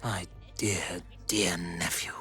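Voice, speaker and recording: A performer playing a remorseful, tender old man in an audio drama, hushed and breathy. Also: low-pitched, fairly even intonation, slow, in a large hall, faint music behind, exaggerated voice.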